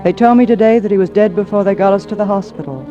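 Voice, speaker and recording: An actress playing a devoted young wife in a 1940s radio drama, with earnest, emotional delivery. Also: female voice, medium pitch, fast, over music, lightly acted. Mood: rueful narration. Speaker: radio drama lead and narrator. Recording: dull lo-fi vintage radio broadcast.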